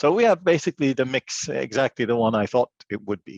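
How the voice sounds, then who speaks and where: A man speaks at a moderate pace and a medium pitch, his voice dry and close with no echo over a quiet background. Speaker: NGO lecturer. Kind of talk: online lecture. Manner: hesitant, many fillers.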